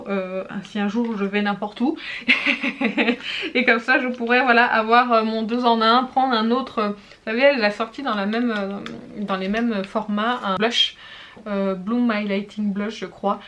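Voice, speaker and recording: A somewhat high-pitched woman talks through her makeup favourites in a relaxed review. She rambles in a friendly way, often hesitating and correcting herself as she tries products on camera. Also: slight background noise. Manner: chatty, frequent hesitations and self-corrections; demonstrates products while talking. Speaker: beauty vlogger.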